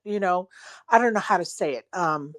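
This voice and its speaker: A woman's voice: lowish voice, normal speed, dry recording. A woman chatting casually and loosely, with conversational filler phrases. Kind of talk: casual chat in a live online audio room.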